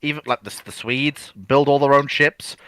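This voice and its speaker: Bright-voiced man chatting, dry close sound. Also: mid-range voice, steady tone, normal speed, no echo. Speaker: panelist. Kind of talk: casual chat.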